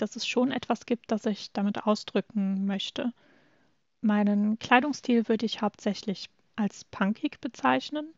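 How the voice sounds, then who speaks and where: A woman in her twenties from Germany, co-hosting a casual podcast and talking about her clothing style in a measured way. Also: medium pitch, creaky, no room sound, muffled recording. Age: 20s. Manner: reads content notes in a measured way. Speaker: podcast co-host.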